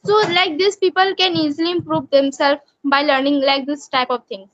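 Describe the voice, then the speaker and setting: A young Indian woman with a very high, bright voice, working through English with frequent fillers and restarts. Her Hindi-accented speech comes over a dull, muffled line. The sound is dry and close, with no room around it. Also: fairly even intonation, normal speed, no room sound. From Jharkhand, India. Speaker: English learner in a practice conversation. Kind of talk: casual conversation practice.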